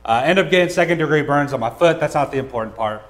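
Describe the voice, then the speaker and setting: A man's voice: on the high side, expressive, fast talker, a bit bright. A man preaching a sermon, telling a personal story in a casual, joking way with frequent "uh" fillers, at a church service. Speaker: pastor.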